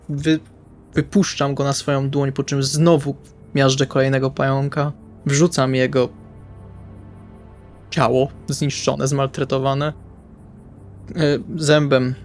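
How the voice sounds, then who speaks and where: A man playing a tabletop role-playing game, improvising dialogue and narrating his actions casually in colloquial speech. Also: medium pitch. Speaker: tabletop RPG player.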